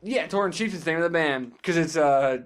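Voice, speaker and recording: Man, somewhat high voice, opinionated, casual podcast banter, frequent swearing. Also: a little fast, a crowd in the background. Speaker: podcast co-host.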